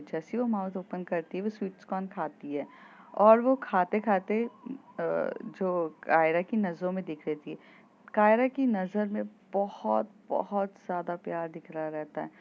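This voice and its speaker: Woman storyteller, chatty and casual, mid pitch, muffled lo-fi sound. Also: measured pace. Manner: chatty, with fillers and repeats.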